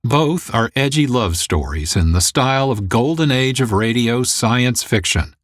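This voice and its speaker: A male radio host introducing an episode in a slow, unhurried pace. His medium-pitched voice moves up and down expressively, and the recording is close and dry. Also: animated, dry recording. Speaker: producer and host. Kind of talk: scripted radio hosting.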